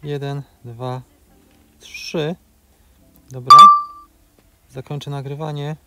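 A man in his forties who makes drone videos talks slowly in a medium-pitched voice with little pitch movement, amid background noise. Flying a drone over open grassland, he walks through a practical tutorial step by step, with filler sounds between phrases.

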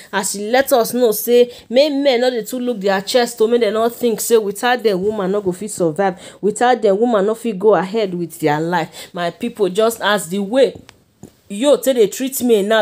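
A Nigerian woman hosts a celebrity gossip channel in a chatty voice-over. She keeps turning to her viewers as her people. Her pitch sits at an ordinary middle level for a woman. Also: a little mellow. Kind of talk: casual gossip commentary.

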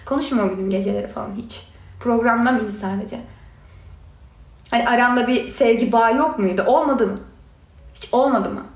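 A young woman with a high voice rants heatedly into a phone livestream, sarcastic and scolding as she talks straight to her viewers. Her voice echoes around a bare room. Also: moderate pace, long pauses. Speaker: reality show contestant answering critics. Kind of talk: angry livestream rant.

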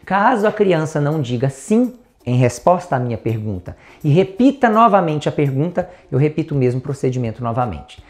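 Brazilian male specialist, mellow tone, walks through examples patiently, soft music under. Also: mid-range voice. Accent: Brazilian Portuguese. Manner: methodical, steps through examples. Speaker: child development specialist. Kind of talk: educational explainer video.

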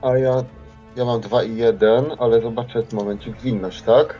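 Mellow man on a dull call. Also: medium pitch, fairly even intonation, moderate pace. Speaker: player in a tabletop role-playing game. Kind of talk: casual game-table talk. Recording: dull, muffled online call. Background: faint background music.

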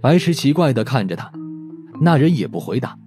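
A man reads a story as an audiobook narrator. His voice sits at a medium pitch and moves expressively up and down. Faint music plays behind the narration. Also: sing-song, brisk.

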